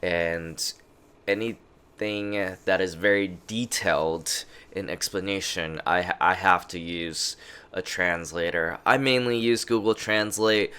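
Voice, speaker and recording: Guy talking real slow to camera, lots of likes and uhs, clear smooth voice. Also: lowish voice, sharp tone. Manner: slow, halting delivery with many fillers and restarts. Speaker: vlogger. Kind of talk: casual talking-head advice. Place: lives in Japan. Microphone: interview microphone.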